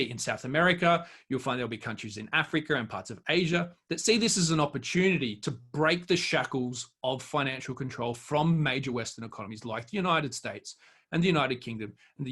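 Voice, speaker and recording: A man's voice: mid-range voice, a bit bright, breathy edge. A man speaking as a guest expert in an interview, giving emphatic, argumentative commentary in an unscripted way.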